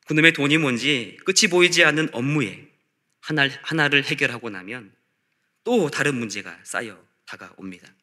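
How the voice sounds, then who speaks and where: A man preaching a sermon as a pastor, in measured rhetorical phrases with repetition. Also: medium pitch, bright, forceful tone. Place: church service.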